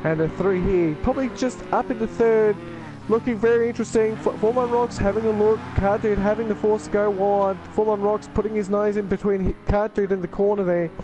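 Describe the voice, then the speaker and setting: Rambling high-voiced co-commentator. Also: male voice, steady tone, fairly quick, over music, rough recording. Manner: rambling, filler-heavy analysis. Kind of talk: sim racing live stream commentary.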